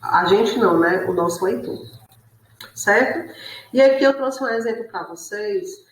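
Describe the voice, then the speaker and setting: A woman's voice: medium pitch, expressive, measured pace, slight background noise. A woman teacher giving an online class lecture, explaining patiently and often checking in with tag questions. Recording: roomy echo.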